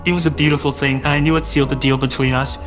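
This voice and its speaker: A man's voice: mid-range voice, level tone, racing, music in the background. A man narrating a first-person audio drama in a wistful, doting way that grows uneasy.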